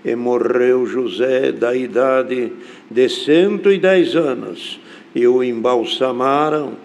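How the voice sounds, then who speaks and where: An older man with a Brazilian Portuguese accent preaching a sermon from a church pulpit into a stand mic, slow and deliberate with emphatic rises. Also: medium pitch, creaky, a little mellow.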